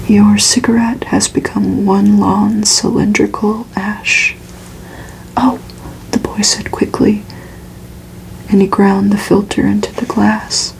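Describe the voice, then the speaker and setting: A woman softly whispering a novel aloud in a breathy, hushed, measured ASMR storytelling style. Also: medium pitch, slight background noise, poor audio. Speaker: ASMR reader. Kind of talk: whispered ASMR audiobook reading of a gothic novel.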